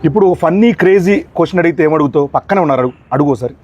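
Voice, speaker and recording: A man's voice: on the high side, very fast, darkish tone, a little hiss or hum. A man hosting a casual, playful interview in a jokey, coaxing way. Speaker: interviewer, show host.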